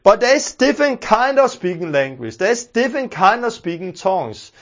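A man's voice: sits high, very animated, moderate pace, muffled recording. A man with a Danish accent, teaching a sermon in an earnest, emphatic way, repeating his key phrases. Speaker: preacher.

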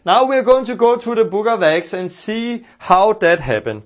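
A man's voice: high voice, animated, normal speed, muffled recording. A man with a Danish accent, teaching a sermon in an earnest, emphatic way, repeating his key phrases. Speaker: preacher.

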